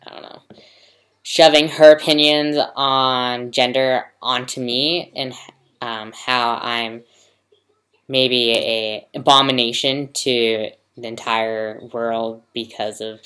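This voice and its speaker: Slow, hesitant young trans man. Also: medium pitch, sharp tone. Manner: hesitant, many ums and pauses. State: sick and yawning. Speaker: vlogger. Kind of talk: casual video diary. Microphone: computer mic.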